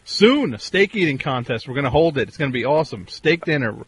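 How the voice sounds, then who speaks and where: Teasing, deadpan male radio host. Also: a little high, fast, a little hiss or hum. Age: 40s. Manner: mock-indignant, teasing, deadpan. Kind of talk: sarcastic call-in radio banter. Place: radio studio.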